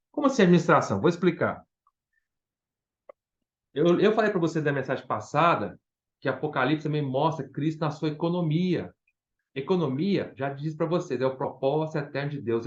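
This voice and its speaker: A man's voice: fairly high pitch, dull audio. A man preaching a Bible study in Brazilian Portuguese, emphatic, often questioning his listeners.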